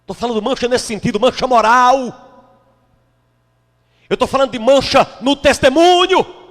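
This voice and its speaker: A man from Brazil, a bishop delivering an impassioned, scolding sermon that breaks into shouts. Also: very high voice, normal speed. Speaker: bishop preaching. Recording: long hall reverb.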